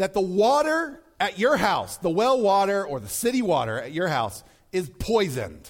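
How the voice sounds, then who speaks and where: A man with an American accent and a high pitch, at a fairly slow pace with very wide pitch swings. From Maryland. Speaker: pastor. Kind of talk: sermon. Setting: church.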